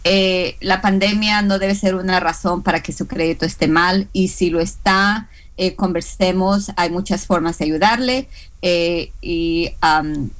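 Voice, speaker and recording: A woman's voice: on the low side, measured pace. Lady w/ hispanic accent explaining business stuff, lots of ums and restarts. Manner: hesitant, many fillers and restarts. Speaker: small business credit instructor. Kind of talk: radio and live stream interview guest.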